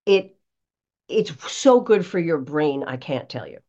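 Low-voiced, animated woman coaching. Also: unhurried, muffled recording. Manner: animated, emphatic, instructive. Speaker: voice coach, podcast guest. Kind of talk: conversational coaching advice.

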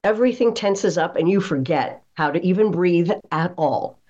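This interview guest is a woman voice coach whose fairly low, mellow voice is animated and moderately paced. She explains in a teaching manner, emphasizing key phrases, over audio that's a little dull and muffled.

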